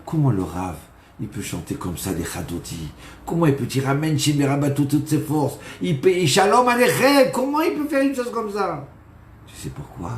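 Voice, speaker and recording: A man's voice: lowish voice, dark tone. Male rabbi, dramatic sermon storyteller, roomy echo, faint background hum. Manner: dramatic storyteller, acting out dialogue.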